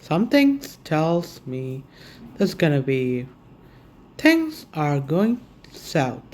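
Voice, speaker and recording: A woman hosting a gaming video with casual, informal commentary in a halting delivery. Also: low-pitched, very animated, darkish tone, a little hiss or hum.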